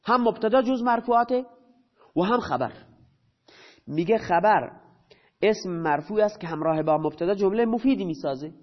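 A man gives a grammar lesson in a fairly high voice. He poses a question, answers it himself and repeats each key term slowly. The recording sounds dull and lo-fi. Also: animated. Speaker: teacher.

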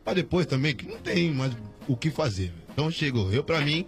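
Fast-talking man telling a story. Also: on the high side, expressive, faint music behind. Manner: rambling storytelling with slang and restarts. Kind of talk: casual radio interview.

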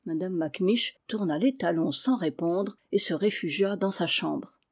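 A woman narrating a classic children's novel aloud in an even, measured way. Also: lowish voice, husky. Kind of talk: audiobook reading.

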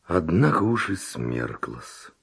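A man's voice: sits low, very animated, slow, vocal fry, slightly rough, full character voice. An actor playing a brazen, curious Spanish nobleman and seducer in a classic verse radio drama. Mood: intrigued, scheming.

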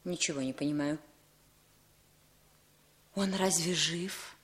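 Controlling young woman: brisk, firm, commanding, 1960s radio drama. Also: deep voice.

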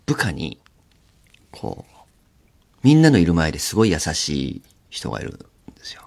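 A man's voice: deep voice, normal speed, vocal fry, husky. A man hosting a radio show alone, telling stories in a chatty, laughing way. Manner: chatty, laughing, storytelling with lively swings. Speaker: radio host. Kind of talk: casual solo radio chat. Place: radio studio. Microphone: studio mic.

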